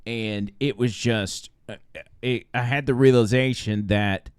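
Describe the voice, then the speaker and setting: A man's voice: medium pitch, fairly even intonation, unhurried, smooth, no echo, studio quality. An American man in his thirties chatting casually as a radio co-host. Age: 30s. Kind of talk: casual chat.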